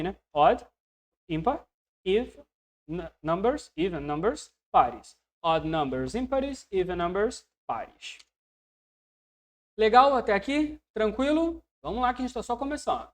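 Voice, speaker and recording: A man with a Brazilian Portuguese accent teaching English, who explains patiently, checks in with the learner and drills words slowly. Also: high voice. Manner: voices learners' questions to himself. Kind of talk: online language lesson.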